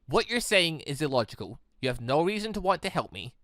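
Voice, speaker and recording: Casting: man playing sentient robot controller for visual novel, cold and formal, bright tone, dry close sound. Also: on the high side, very animated, fairly quick, dry recording. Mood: cold, detached. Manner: stiff, clipped, formal phrasing. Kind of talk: visual novel character read-aloud.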